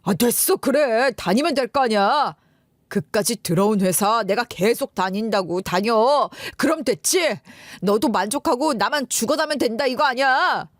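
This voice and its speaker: A worn-down, sighing husband, voiced by a woman in a story radio drama. He speaks in a fairly high, dry voice and trails off in bitter resignation. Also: animated, moderate pace, dry recording, natural voice. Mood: bitter resigned. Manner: sighing, resigned, giving up mid-sentence. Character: weary, defeated husband.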